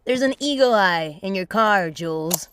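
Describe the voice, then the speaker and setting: An actress playing a scrappy, sweary woman engineer in an audio drama, muttering to herself in an animated, exasperated way. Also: mid-range voice, moderate pace, natural voice. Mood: tense, accusing.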